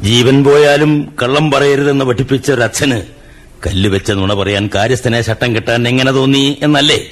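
An actor playing a dignified older father who speaks in measured, sermon-like lines about a parent's love, in a radio play. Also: mid-range voice, natural voice. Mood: wry. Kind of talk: 1990s-style radio drama acting. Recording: radio play with music bed.

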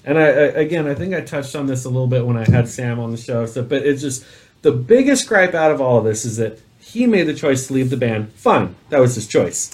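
A man in his mid-thirties hosting a loose, drink-in-hand chat with a friend. He rants with animated emphasis and hammers points home by repeating them. His voice sits at an ordinary middle pitch. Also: a little fast. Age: 30s. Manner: animated ranting, emphatic repetition. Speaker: host. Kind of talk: casual chat over drinks.

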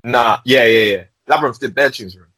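A man's voice: mid-range voice, moderate pace, bright, forceful tone, slightly rough, no room sound. A young man with a London roadman accent and slangy street delivery, chatting casually and repetitively as a music podcast host.

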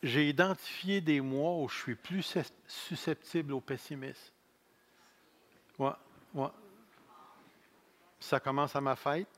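A man in his sixties preaches with a Québécois accent, his voice sitting a little high for a man. He takes his time, letting each phrase land slowly and repeating the key lines. Self-mocking humor runs through his sermon. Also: fairly even intonation. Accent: Québécois French. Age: 60s. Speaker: pastor.

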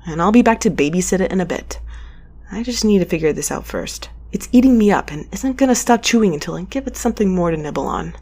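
A wry, restless mail courier of the space lanes, in an audio drama. The voice sits a little low and has a husky grain. The delivery is conversational and sardonic, like someone muttering to themself. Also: female voice, expressive, fast, mellow. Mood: restless, determined. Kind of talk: audio drama acting with first-person narration.

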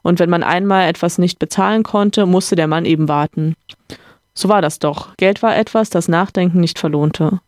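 A reader doing a musing old-school gentleman. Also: medium pitch, moderate pace, dry recording, clean studio sound, lightly acted. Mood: earnest lecturing. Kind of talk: reading a novel aloud.

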